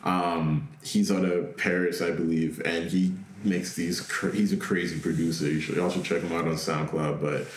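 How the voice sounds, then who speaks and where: Very deep, flat-voiced laid-back man. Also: normal speed, hardly any pauses, a little hiss or hum. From Canada. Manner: laid-back, many fillers. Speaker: guest, clothing brand owner. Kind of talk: casual radio interview. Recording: roomy echoey room.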